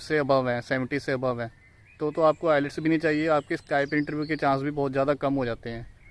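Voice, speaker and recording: A man talks at a moderate pace in a fairly high pitch with monotone, flat intonation. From India, Punjab (Patiala). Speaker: student vlogger. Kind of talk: informal tutorial vlog.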